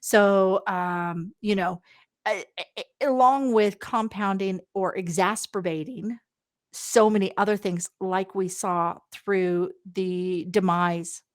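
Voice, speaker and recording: A woman hosting a podcast interview, bubbly and energetic, talking with many fillers and restarts. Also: mid-range voice, takes it slowly. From Canada. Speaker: podcast host.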